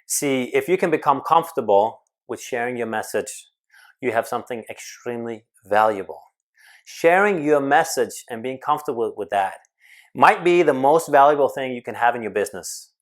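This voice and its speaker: A man coaching on public speaking, talking to the camera with emphatic, energetic delivery, quick bursts and sudden slowdowns. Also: mid-range voice. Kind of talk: advice talk to camera.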